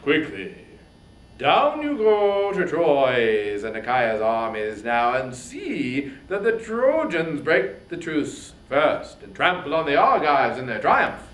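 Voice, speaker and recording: Casting: a reader as proud ruler of the gods, booming and declamatory, epic storytelling, slow grand delivery, roomy sound. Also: sing-song, fairly bright tone. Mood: commanding. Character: Zeus, commanding male king of the gods, grandly proud.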